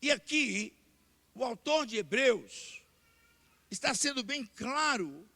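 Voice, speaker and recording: A Brazilian man preaching a sermon, his voice set unusually high with a gravelly edge. He drives each point home by repeating it and swells into loud, forceful declarations. The church hall rings with long reverb behind him. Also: very animated, takes it slowly. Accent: Brazilian Portuguese. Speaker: pastor. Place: church sanctuary.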